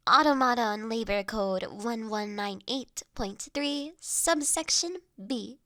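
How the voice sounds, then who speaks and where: Woman acting a high-voiced, polite, gentle lady. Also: no room sound, studio quality. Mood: earnest, gently teasing. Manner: courteous, formal wording, softly hesitant with pauses. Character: polite, gentle human woman seeking to adopt an automaton. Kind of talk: scripted audio roleplay, intimate and conversational.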